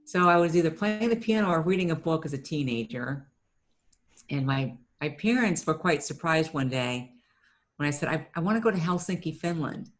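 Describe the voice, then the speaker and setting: A woman's voice: deep voice, lively intonation, moderate pace. A middle-aged woman from Ohio, a marketing business owner, telling stories in a chatty way as a guest in an interview and often repeating a word as she restarts. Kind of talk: conversational storytelling interview.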